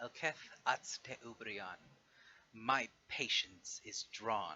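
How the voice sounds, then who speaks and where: A booming put-on character voice from a man, medium in pitch, at a very slow pace. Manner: menacing, commanding.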